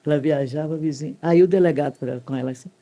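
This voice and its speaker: Animated woman telling a testimony. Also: fast talker. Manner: animated, swings widely in pitch, leans on "né" tag questions. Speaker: guest giving a testimony. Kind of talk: emotional faith testimony storytelling.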